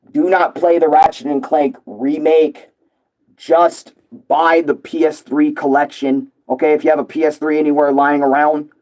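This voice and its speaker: This young man, a gaming streamer with a hoarse, mellow voice pitched a bit high, rambles and swears casually at his audience, leaning heavily on fillers. The recording quality is rough.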